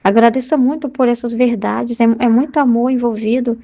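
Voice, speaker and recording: A tender male Jesus giving earnest, loving correction, as a woman puts him on. The Brazilian accent is clear and the voice sits a little high. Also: fairly even intonation, moderate pace, dark tone, close to an everyday voice. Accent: Brazilian Portuguese.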